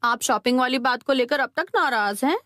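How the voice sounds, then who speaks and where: A woman's voice: sits high, fairly quick, no room sound, studio quality. A woman voicing an emotional, sulky young housewife in a cartoon dub, whiny and dramatic. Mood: sulking. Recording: cartoon dub over loud music. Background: loud background music.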